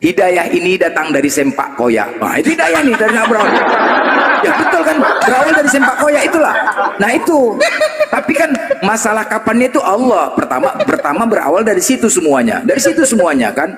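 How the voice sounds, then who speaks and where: Animated man, echoey roomy sound. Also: sits high, fairly quick, heavy background noise. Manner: teasing, laughing, mimics voices in quoted dialogue. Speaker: Muslim apologist debater. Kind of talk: animated storytelling in a debate chat. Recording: echoey room with long reverb.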